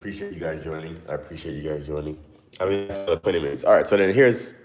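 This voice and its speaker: A man's voice: extremely low pitch, steady tone, fast talker, darkish tone, soft background music, poor audio. A Jamaican man hosting a casual livestream from home, talking loosely and rambling as he speaks straight to his viewers about money and investing. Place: at home, with a view behind. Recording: clear background noise.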